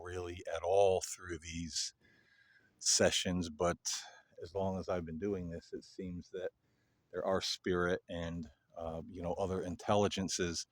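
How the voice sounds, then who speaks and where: A man with a low voice talks straight to his viewers as the host of a paranormal video. His delivery is casual and earnest, coming in halting phrases that sometimes trail off. The sound is dry, with very little room around the voice. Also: dry recording. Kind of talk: casual explanatory monologue to viewers.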